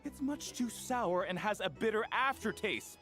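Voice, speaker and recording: Indignant drunk diner, demanding, blustering, lively pitch. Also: male voice, unhurried, soft background music, full character voice. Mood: angry. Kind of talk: game voice acting.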